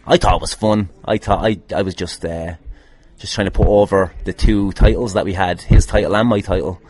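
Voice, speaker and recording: Deep-voiced, sweary Irish man. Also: fairly even intonation, a little fast, darkish tone. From Ireland. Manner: sweary, jokey, self-deprecating. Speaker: podcast host and wrestler. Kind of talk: casual rambling anecdotes answering fan questions.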